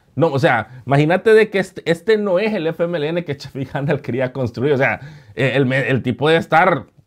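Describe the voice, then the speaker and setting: Against a quiet background, a man with a fairly high pitch speaks at a moderate pace using lively intonation. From El Salvador. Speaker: YouTube political commentator. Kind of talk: casual commentary video. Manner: hesitant, many fillers.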